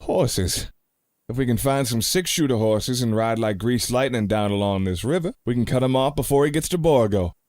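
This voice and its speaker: An actor playing a brash frontier cowboy in a radio play, talking in blunt, folksy slang and pushing for action. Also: male voice, mid-range voice, moderate pace, darkish tone, no room sound, lightly acted. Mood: blunt, eager. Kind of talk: community radio play acting.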